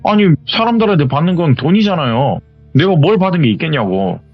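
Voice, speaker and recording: A man's voice: a little high, big pitch swings, brisk, dry recording, pitched above the performer's own voice. A man voicing a young woman restaurant worker who protests defensively. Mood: indignant. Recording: slightly dull audio with faint music.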